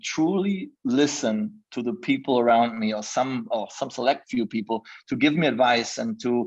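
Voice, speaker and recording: A man speaks at a medium pitch. His pace is moderate and his pitch varies in an ordinary way. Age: 30s. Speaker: tech company executive. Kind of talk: interview. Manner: loud.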